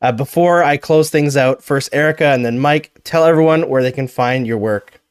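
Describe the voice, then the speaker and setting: A man's voice: medium pitch, normal speed, clear, resonant tone, no room sound, studio quality. A man hosting a casual sports podcast, talking earnestly about the games. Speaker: podcast host.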